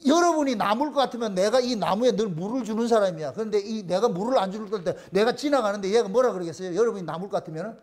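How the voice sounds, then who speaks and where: A man's voice: high voice, fast talker, hardly any pauses, a little mellow. A male pastor preaching a sermon in an emphatic, repetitive way, asking many rhetorical questions.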